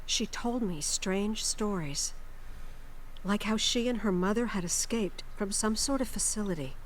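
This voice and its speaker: A woman's voice: mid-range voice, measured pace, a little hiss or hum, close to an everyday voice, poor audio. Woman acting a wistful widowed foster mother. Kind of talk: reflective video game cutscene narration.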